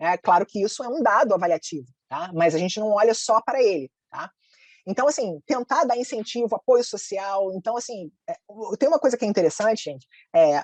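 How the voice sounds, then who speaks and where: A fairly quick pace with very wide pitch swings. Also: woman, fairly high pitch for a woman. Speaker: nutritionist teaching a course. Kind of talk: online lecture. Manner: fast.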